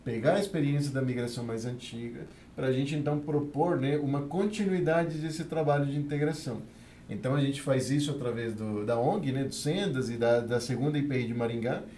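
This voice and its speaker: A man's voice: mid-range voice, a little fast, dark tone, echoey room, slight background noise. A man from Venezuela, speaking as an interview guest about immigrant life, earnest and tagging nearly every phrase with a questioning "né". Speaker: guest, immigrant community worker. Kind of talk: podcast interview, telling his experience.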